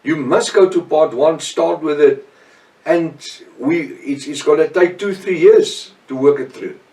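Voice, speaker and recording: A man's voice: fairly high pitch, dark tone. Echoey South African Afrikaans preacher, male, middle-aged. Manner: earnest, emphatic, halting delivery with repetition and short phrases. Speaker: preacher and Bible teacher. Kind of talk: extemporaneous Bible teaching sermon. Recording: echoey room, distant microphone.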